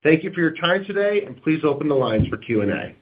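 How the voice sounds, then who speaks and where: A man speaking as a company executive on an earnings call, in measured corporate phrasing. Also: a little high, sing-song. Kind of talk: prepared remarks and corporate question answering. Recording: dull, lo-fi conference call audio.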